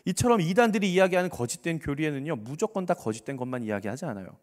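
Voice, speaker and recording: A male pastor preaching a sermon in a church, animated, repeating words for emphasis and sometimes dropping to a whisper. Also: fairly high pitch, quick pace. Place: church sanctuary. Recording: reverberant church hall.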